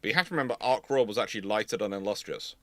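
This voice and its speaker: A man with a bright, forceful voice in a dry, close recording. He hosts a live history discussion and explains his views emphatically, wandering into digressions as he goes. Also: fairly low pitch, very fast, dry recording. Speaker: host, naval historian. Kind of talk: live question-and-answer discussion.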